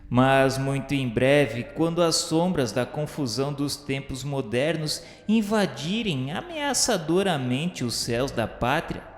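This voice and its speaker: A man with a Brazilian accent reading scripted, literary radio narration in a solemn, grandiloquent, formal manner. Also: a little high. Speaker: narrator of a religious radio novela. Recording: echoey hall-like reverb, music underneath. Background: music.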